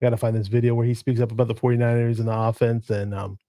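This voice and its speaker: A man hosts a casual sports chat, rambling and restarting his sentences as he searches for words. His voice sits at an ordinary pitch, recorded close and dry. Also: little pitch movement, very fast, dark tone, no echo. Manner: rambling, full of restarts and fillers. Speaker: podcast host.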